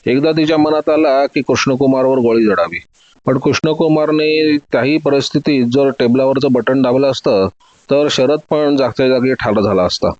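A man narrating a detective story in a steady, dramatic reading. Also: mid-range voice, dry recording, dull audio.

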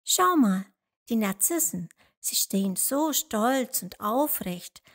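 A woman voicing a gentle, sweet little female sheep in a children's storybook, full of wonder. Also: fairly high pitch, very animated, slow pace, heavily acted. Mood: admiring.

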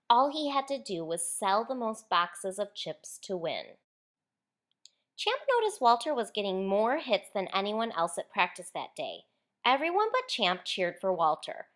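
A woman author reading a children's story aloud in an expressive, clearly enunciated storytelling style. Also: mid-range voice. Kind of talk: expressive children's picture book read-aloud.

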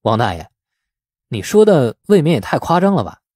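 Audiobook role: male narrator as wary young man, reasoning and questioning, expressive pitch. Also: moderate pace, no room sound, clean studio sound. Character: wary young man defending his grandfather's good name. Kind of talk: audiobook character acting.

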